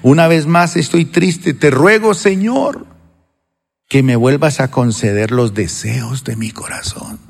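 A man preaching a sermon as pastor, retelling a story with quoted dialogue, rising emphatic and slowing to a hushed drawl. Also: mid-range voice, fairly even intonation, creaky, big-room sound. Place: church sanctuary.

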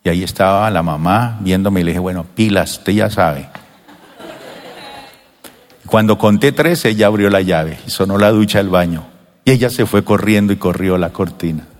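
An older man preaching a sermon to his church, animated and acting out children's voices now and then. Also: low-pitched, moderate pace. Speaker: pastor. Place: church sanctuary. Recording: long reverb of a church hall.

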